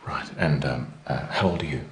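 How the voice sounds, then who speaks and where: A man's voice: rumbling low, moderate pace, echoey room. An actor playing a curious middle-aged male private investigator who questions a client, hesitating with hums and uhs. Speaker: actor in a teaching drama. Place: small office set, indoors.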